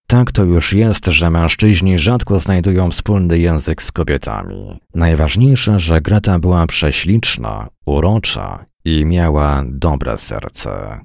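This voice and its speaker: A man reading a short story aloud as narrator, in a measured, wry storytelling manner. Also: low-pitched, lively intonation, gravelly, a little mellow, no room sound, studio quality.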